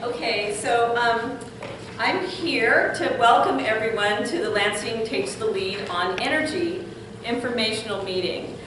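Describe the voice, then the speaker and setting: A woman's voice: on the high side, a little slow. Outgoing older woman addressing a meeting hall. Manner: warm-voiced, outgoing, laughs often. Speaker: community organizer giving welcome. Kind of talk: public meeting remarks. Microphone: room mic at a distance. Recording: echoey room from far off, noisy.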